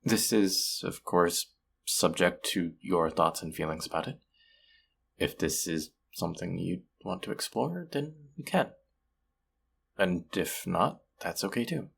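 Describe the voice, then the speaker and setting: A man playing a sweet, smitten stranger in an intimate romantic audio roleplay, speaking softly and hesitantly in a husky, gravelly voice. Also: sits low, animated, heavily acted. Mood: tender, hesitant. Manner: soft, hesitant, tender, with pauses.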